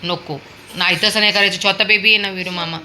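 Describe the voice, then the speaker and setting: Filming a casual home video, a dog owner talks fast in a pushed, bright, mid-range voice with fairly even intonation. She affectionately scolds a little child and coaxes her dog, with a fan whirring and the dog audible behind her.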